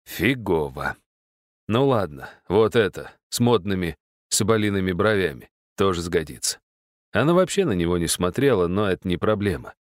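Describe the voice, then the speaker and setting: Deep-voiced man reading an audiobook. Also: sing-song, fairly quick, dry recording, clean studio sound. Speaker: audiobook narrator. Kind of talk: scripted audiobook narration.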